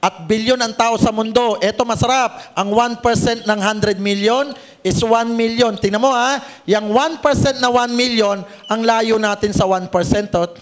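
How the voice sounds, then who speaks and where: A man presenting a networking business plan to a live audience, cracking jokes and teasing listeners with quick questions. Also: high voice. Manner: joking, teasing the audience, asks "Tama?" often. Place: seminar room with audience.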